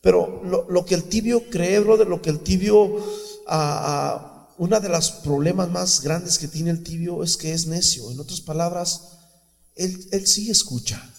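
A man's voice: sits high, measured pace, creaky, darkish tone, long reverb tail, soft background music. A man preaching a sermon in a church, fervent and conversational, often calling the listener "brother". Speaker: pastor.

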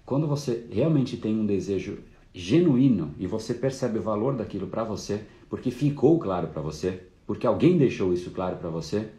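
A man's voice: lowish voice, expressive, normal speed, warm tone, reverberant. A man hosting a live course talk, explaining casually and fluently with frequent fillers. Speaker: course host.

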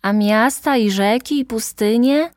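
A gentle little boy prince asks one earnest question after another, as a woman reading a storybook aloud puts him on. The voice sits higher than her usual tone and stays in a close, dry room. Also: measured pace, no echo, natural voice. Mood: curious.

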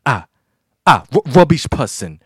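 A man's voice: mid-range voice, sing-song, a little slow, slightly rough, no room sound, studio quality, heavily acted. A podcast co-host putting on a Nigerian accent to play a stammering man who scolds a rival fan with insults. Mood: scolding. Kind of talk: comic rant on a podcast.

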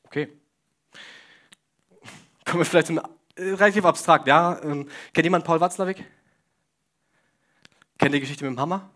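A young preacher gives a sermon to his congregation in a relaxed, conversational style, his voice a little higher than most men's. He speaks at normal speed with frequent pauses, often turning to listeners with questions and wry, joking asides.

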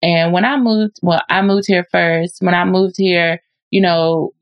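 A woman hosting a podcast, talking in a relaxed, laid-back casual chat. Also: fairly low pitch, unhurried, no room sound, highs cut off. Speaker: podcast host.

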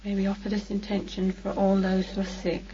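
Monotone woman reciting the rosary. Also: mid-range voice, brisk, a little hiss or hum. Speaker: rosary prayer leader. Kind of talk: recited devotional prayer. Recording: muffled distant recording, congregation audible.

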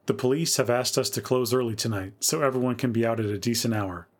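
A man's voice: mid-range voice, close to an everyday voice. A man reading the part of a theater manager making a formal announcement in a dramatic story reading. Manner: announcing, measured. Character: formal small-town theater manager, male.

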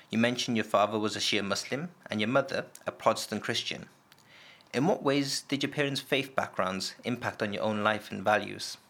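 A British man presenting a radio programme, reading a scripted introduction and asking interview questions in a measured, calm way in an office. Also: fairly low pitch. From Britain. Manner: measured, calm, clearly read. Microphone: studio microphone in an office.

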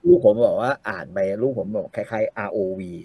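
A man's voice: on the low side, fairly quick, mellow, slightly rough, no echo. A middle-aged man in casual chat about novels and cartoons, blunt and salty, with coarse slang.

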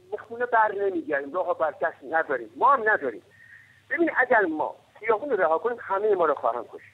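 An Iranian man calls in to a talk show, and his high, animated voice keeps pushing his point. There is a gravelly rasp to it, and the sound is squeezed thin by a phone line. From Iran. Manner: heated, insistent, repeats "look" to press his point. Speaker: caller.

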